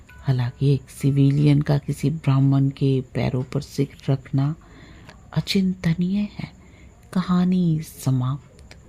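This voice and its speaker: A woman reads a literary story aloud as a storyteller. Her voice is low and gravelly at the edges, and she takes her time with a slow, measured delivery. The narration is scripted and deliberate. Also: mellow. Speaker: storyteller reading short stories aloud.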